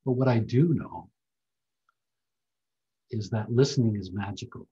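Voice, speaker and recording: An older man giving a reflective talk on a video call, speaking softly and gently. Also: fairly low pitch, highs cut off. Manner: soft-spoken, slow and gentle. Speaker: guest speaker.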